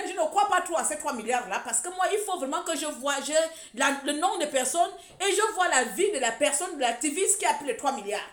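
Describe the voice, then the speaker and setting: A woman from Gabon, an activist ranting sarcastically and scolding on a live stream. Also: high-pitched. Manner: mocking, scolding, repetitive. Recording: echoey room.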